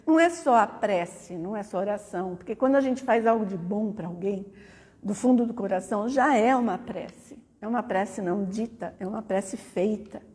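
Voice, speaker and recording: A middle-aged woman speaking at a spiritist gathering in a chatty, storytelling way. She keeps checking in with her listeners. Her voice is mellow and slightly husky, and a long hall reverb trails behind it. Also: medium pitch, normal speed. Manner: conversational, often tags phrases with "né?". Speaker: speaker at a spiritist study center. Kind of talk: informal spiritual talk with personal stories. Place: spiritist center meeting hall.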